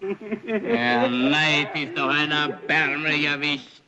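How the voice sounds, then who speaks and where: An actor playing a stern, solemn spirit of hatred who speaks in a measured way. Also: male voice, fairly high pitch, lively intonation, over a noisy crowd. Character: grim spirit of hatred, brother of envy, stern.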